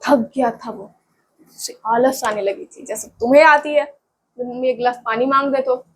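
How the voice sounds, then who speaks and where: A woman's voice: on the high side, moderate pace, a little hiss or hum. A woman teacher reading a story aloud for students, often breaking in to explain it in plain everyday speech and check that they follow.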